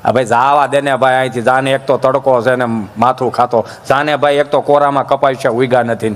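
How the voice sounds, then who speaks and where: A man voicing a grumpy old village man who gruffly shoos someone away. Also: medium pitch, steady tone, fairly quick, long reverb tail, voice pushed down, close to an everyday voice. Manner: gruff, dismissive, shooing away.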